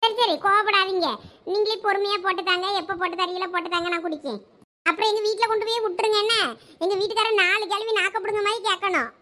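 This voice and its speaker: A woman's voice: very high-pitched, fairly even intonation, fast, bright, forceful tone. A woman voicing a young village wife in a cartoon who pleads and coaxes in a Thoothukudi Tamil accent. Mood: pleading. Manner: pleading, coaxing.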